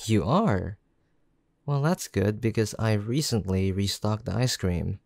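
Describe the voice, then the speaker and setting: A man plays a caring young boyfriend in intimate roleplay audio, talking slowly and affectionately while gently teasing his girlfriend. His voice is fairly low, mellow, soft and gravelly, and he's expressive.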